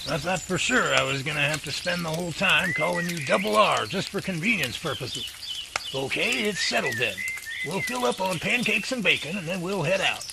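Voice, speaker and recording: Man playing a high-voiced folksy, jovial professor, noisy outdoors. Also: gravelly. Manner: folksy, theatrical, long-winded. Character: folksy, jovial, wordy male Bigfoot research professor. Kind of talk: audio drama acting. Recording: heavy outdoor nature noise behind voice.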